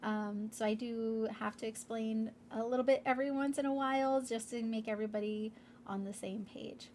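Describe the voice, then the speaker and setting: A woman's voice: a little high, fairly even intonation, moderate pace, darkish tone, a little hiss or hum. Congested, nasal-sounding woman vlogger. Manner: rambling, with many fillers. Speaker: crafting channel host. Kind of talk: casual chatty vlog.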